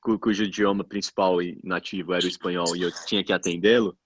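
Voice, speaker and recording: A man from Brazil with a Brazilian Portuguese accent, a medical resident telling stories in a casual podcast chat, animated and quick to laugh at himself. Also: low voice, husky, no echo. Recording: dull, dry lo-fi remote mic.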